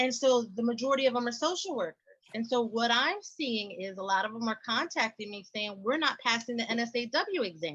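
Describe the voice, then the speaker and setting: At a moderate pace, a woman with a fairly high pitch talks with lively intonation. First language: Spanish. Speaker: clinical social worker and advocate. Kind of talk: webinar panel discussion. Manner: conversational with many fillers.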